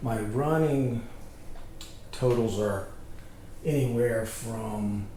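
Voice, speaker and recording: Against noticeable background noise, a man at medium pitch speaks at a very slow pace with fairly even intonation and long, frequent pauses. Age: 60s. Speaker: fitness vlogger. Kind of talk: casual talk to camera.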